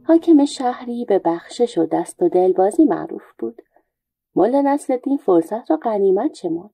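A woman storyteller calmly narrating folk tales in a steady reading voice. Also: medium pitch, gravelly, husky, dry recording, faint music behind.

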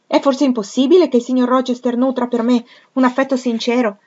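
A woman's voice: lowish voice, a little fast, lo-fi sound. A woman voicing a young governess who answers with resentful, impassioned earnestness. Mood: hurt.

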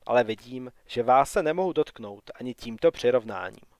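A man voicing a sardonic young male wanderer who grumbles and mocks, read softly in an audiobook. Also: mid-range voice, animated, dry recording, clean studio sound, lightly acted.

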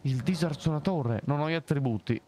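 A young man streaming a game live, reacting loudly and hurling playful insults at enemies. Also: a little high, fairly quick, a little hiss or hum. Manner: excitable, swears and yells insults at enemies. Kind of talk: live gameplay commentary. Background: game music.

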